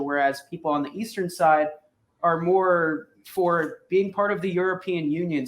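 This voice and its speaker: A young man, a student radio interviewer, who asks a long question in a quick, engaged way. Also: on the high side.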